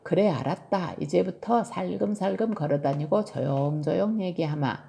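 A woman voicing a calm, indulgent father in a storybook read-aloud. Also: fairly low pitch, normal speed, gravelly. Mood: gentle. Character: gentle easygoing father.

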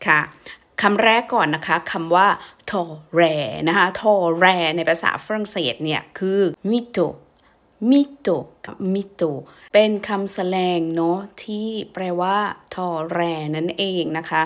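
A woman's voice: lowish voice, measured pace, a bit bright. Chatty Thai woman teaching slang. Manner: chatty and playful, mixing in French phrases. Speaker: language teacher and vlogger. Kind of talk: casual language lesson.

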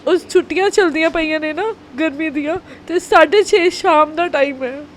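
A woman, a tearful and upset mother answering a reporter's questions in halting, repeated phrases. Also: sits high, slight background noise. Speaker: mother of a missing girl.

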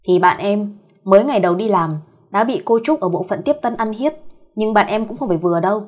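A woman plays a gruff young company boss in an audio story, told in fireside storyteller fashion. He is curt and commanding yet caring, with a husky edge. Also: mid-range voice, animated, brisk, darkish tone. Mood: teasing, concerned. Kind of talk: acted dialogue in an audio story.

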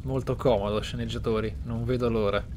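A man giving dramatic game commentary as a streamer, theatrical and deliberate, with drawn-out phrases. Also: medium pitch, steady tone, background noise. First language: Italian. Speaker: gaming streamer. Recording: faint game ambience behind. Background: video game sounds.

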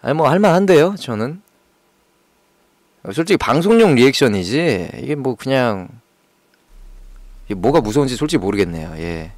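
Male streamer, frantic horror-game commentary, animated voice, dry sound, quick to yelp and swear. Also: mid-range voice, dry recording. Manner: jumpy, swearing, frantic reactions to scares.

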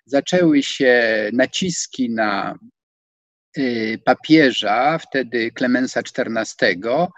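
A man in his sixties giving an online lecture from a home study, hesitating with many fillers and stressing words with rising pitch. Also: no room sound. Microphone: video call. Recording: dull, dry video-call audio.

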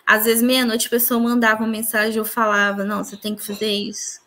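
A woman's voice: a little high, completely flat delivery, fast, a bit bright. Earnest woman recounting spiritual experiences. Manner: earnest, tells her story with reported dialogue. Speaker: interviewee. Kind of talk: personal spiritual testimony.

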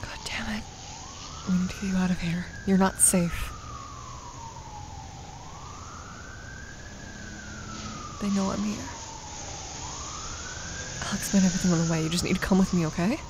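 A young woman of twenty playing a protective, tender yet commanding mafia boss in an ASMR romance roleplay, breathy and often half-whispering. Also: fairly low pitch, steady tone, brisk, pauses often, noisy background, close to an everyday voice. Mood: urgent, protective.

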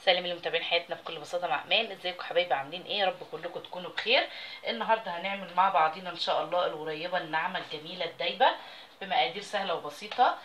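Egyptian woman cooking host, lowish voice, quick, chatty demo while she works. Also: fairly bright tone, slight background noise. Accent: Egyptian Arabic. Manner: chatty, talks while working with her hands. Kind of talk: casual recipe demonstration.

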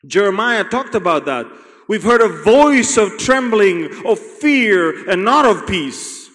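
A man with an Israeli accent preaching a sermon as a Bible teacher, animated, acting out scenes and repeating words for emphasis. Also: high voice. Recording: long hall reverb.

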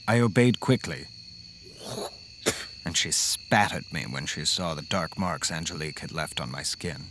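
Low-voiced, haunted man. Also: unhurried, fairly bright tone, a little hiss or hum. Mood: tense recounting. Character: earnest, haunted man recounting his horror story. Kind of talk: first-person audio drama narration.

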